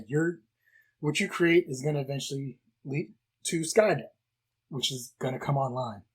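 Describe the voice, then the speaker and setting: A podcast co-host recaps a film in loose, rambling chatter with many fillers. The voice is husky and sits at a middling pitch. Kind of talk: casual film discussion.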